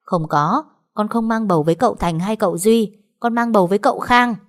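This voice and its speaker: A woman's voice: mid-range voice, pitched above the performer's own voice, lightly acted. Woman doing a brazen young servant girl. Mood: defiant. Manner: pert, unhurried, cheeky. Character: young female servant, pregnant, brazen and defiant.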